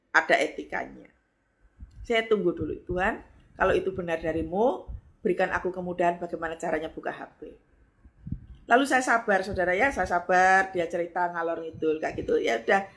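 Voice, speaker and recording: A middle-aged woman pastor, preaching a lively sermon and acting out voices with sudden high exclamations.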